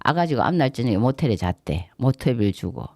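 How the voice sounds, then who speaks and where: Middle-aged Gyeongsang woman, lively, gravelly. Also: very deep voice, fast talker, dry recording. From Namhae, South Korea. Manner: animated retelling, acts out quoted dialogue. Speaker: radio co-host and tour guide. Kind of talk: casual radio chat, storytelling. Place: community radio studio. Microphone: studio microphone.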